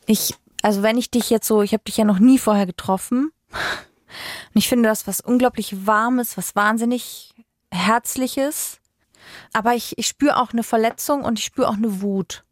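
A woman hosting an empathetic interview, asking gentle, thoughtful questions. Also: on the high side, normal speed, no echo, clean studio sound. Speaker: host.

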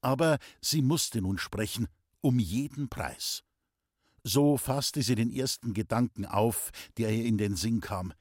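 A man narrating a classic novel as an audiobook, calm and measured in his storytelling. His voice has a mid-range pitch and sounds dry and close, with no room around it. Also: dry recording. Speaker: audiobook reader. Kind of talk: scripted narration.

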